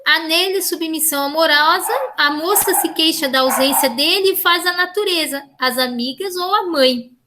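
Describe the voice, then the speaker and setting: A woman's voice: high-pitched, normal speed, few pauses, noisy background. A woman teaching literature in a casual classroom manner with a Brazilian Portuguese accent, reading verses aloud and checking in with her students through frequent tag questions.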